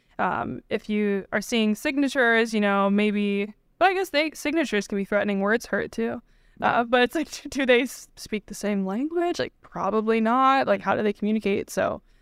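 An ordinary speaking voice with an American accent moves at a moderate pace with lively intonation, dry and close with no echo, in a very clean recording over a silent background. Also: woman, fairly high pitch for a woman. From Pennsylvania, US. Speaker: astronomy research fellow. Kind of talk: interview.

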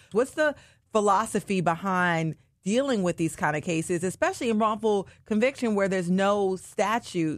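Over a quiet background, a woman with a normal speaking voice talks at a moderate pace and medium pitch, her intonation lively and her loudness very even. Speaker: radio host and community affairs reporter. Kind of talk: interview. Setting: studio.

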